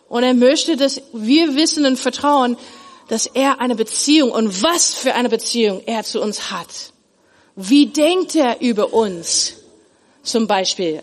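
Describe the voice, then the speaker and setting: Woman as Bible teacher for kids, fairly high voice, reverberant room. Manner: simple explaining, animated retelling with slips. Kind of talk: Bible lesson for children.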